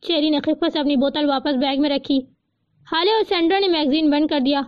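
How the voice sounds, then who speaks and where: A woman narrating a novel in a calm, even storytelling manner. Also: high-pitched, no room sound. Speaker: audiobook narrator. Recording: dry, slightly dull recording.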